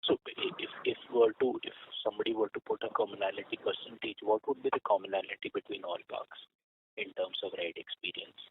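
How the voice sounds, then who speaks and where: A man with a somewhat low voice comes through a narrow, tinny phone line, with a faint hiss of noise behind him. He speaks haltingly, piling up fillers and restarts as he works through long analyst questions on an earnings call. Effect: heard over a phone line. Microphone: handset phone.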